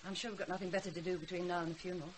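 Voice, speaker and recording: A woman's voice: fairly low pitch, level tone, racing, natural voice. An actress playing a weary, sarcastic mother with a dry, brittle manner in a naturalistic radio drama. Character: weary, sarcastic mother of a rebellious teenage girl. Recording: hissy radio drama recording.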